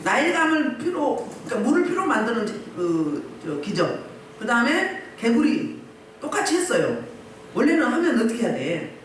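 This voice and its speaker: Woman pastor, emphatic sermon delivery, lively swooping pitch, boomy church hall sound. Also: moderate pace, a little hiss or hum. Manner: emphatic, fires rhetorical questions at the congregation. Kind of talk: sermon at a healing service. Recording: very echoey hall, mic at a distance.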